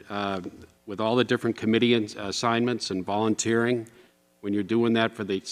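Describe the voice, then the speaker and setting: An older man giving a plain-spoken, personal closing statement as a candidate at a public forum. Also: fairly low pitch. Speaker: candidate for town boards. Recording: echoey hall with long reverb.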